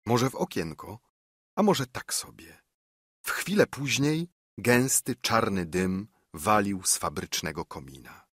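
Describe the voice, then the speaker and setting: A man reading a classic novella as an audiobook in measured, expressive narration on a close mic. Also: on the low side, breathy edge, no echo. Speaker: audiobook reader.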